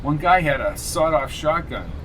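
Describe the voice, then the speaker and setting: A man's voice: fairly high pitch, expressive, moderate pace, background noise, lightly acted. A man voicing an anxious young woman who asks worried, urgent questions.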